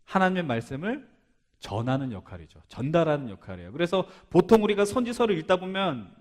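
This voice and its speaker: A man's voice: on the high side, big-room sound. A man preaching a sermon to a young congregation, asking them many questions and acting out the pleas of prayers. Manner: rhetorical questions to the congregation, dramatic quoted prayers. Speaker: pastor. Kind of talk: sermon to a young adults' service.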